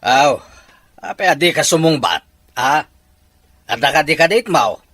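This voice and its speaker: A man playing a stern, suspicious middle-aged father in an audio drama, with a husky voice and a gruff, questioning manner. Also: fairly high pitch, expressive, unhurried, fairly bright tone, no echo. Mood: suspicious, scolding. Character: stern, suspicious father interrogating his grown child.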